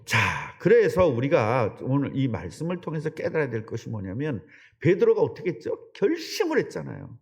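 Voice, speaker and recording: A middle-aged man preaching a sermon as pastor, conversational and animated, often putting questions to the congregation. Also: medium pitch. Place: church sanctuary. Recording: long church hall reverb.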